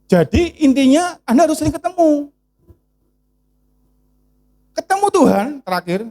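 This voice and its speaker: A man preaching a sermon to a church congregation in with a tinge, lively and bantering with his listeners. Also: extremely high pitch, normal speed. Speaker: pastor. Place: church service.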